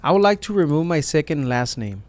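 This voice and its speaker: A man's voice: fairly high pitch, very animated, brisk. A man voicing a citizenship applicant who gives short, plain, careful answers to an officer in a scripted practice dialogue.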